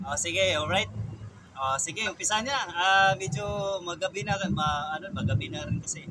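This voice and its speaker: A man's raised, projected voice at a fairly quick pace. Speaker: channel owner debating religion. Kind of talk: online religious debate. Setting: online live session, not in studio, on mobile data. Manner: loud.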